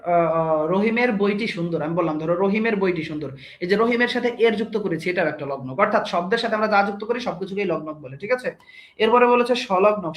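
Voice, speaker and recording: Young man, teacher, online class, high pitch, step-by-step explaining, asks questions, roomy echo.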